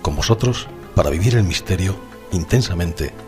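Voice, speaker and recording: A man as a late-night paranormal radio host with a Spain accent, presenting in a formal, measured, solemn scripted style. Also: low-pitched, expressive, music in the background. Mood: solemn, assured.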